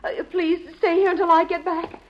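A woman playing an anxious, distrustful wife in a 1950s science fiction radio drama, speaking in a tense, halting way. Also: extremely high pitch, flat delivery. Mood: nervous, guarded. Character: anxious, distrustful wife of a space-age pilot. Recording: noisy, muffled 1950s radio recording.

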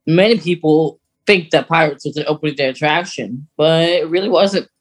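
A man's voice: on the high side, normal speed. A man co-hosting a podcast in casual, chatty conversation, explaining things like an enthusiast. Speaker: podcast co-host. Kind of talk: casual chat.

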